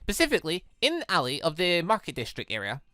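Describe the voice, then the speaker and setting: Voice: mid-range voice, wildly swooping pitch, fast, bright, forceful tone, no echo, clean studio sound. A narrator voicing a cheerful, polite young robot girl in a visual novel, speaking in a chirpy, formal, matter-of-fact way. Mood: helpful, precise.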